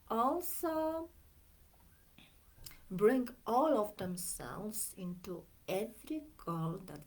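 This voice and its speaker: A middle-aged woman from Poland with a Polish accent, a coach talking in a slow, reflective way that often drifts into near-whispers. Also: lowish voice. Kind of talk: reflective Facebook video talk.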